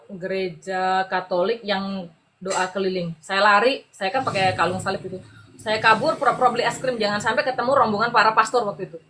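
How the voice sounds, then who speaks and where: A middle-aged woman telling her personal story as a podcast guest in an animated, chatty way, laughing often and acting out the voices of the people she quotes. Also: medium pitch, slight background noise. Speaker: podcast guest giving a testimony. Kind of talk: conversational storytelling.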